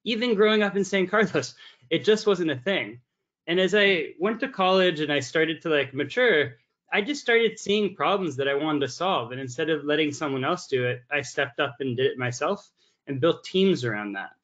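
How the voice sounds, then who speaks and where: A man's voice: fairly high pitch, animated, normal speed, fairly bright tone. A man in his thirties from the Bay Area, a sponsor representative talking casually and earnestly, full of "like" fillers, from a room at home. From San Francisco Bay Area. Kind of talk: casual talk on a video call. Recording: dull lo-fi video call audio.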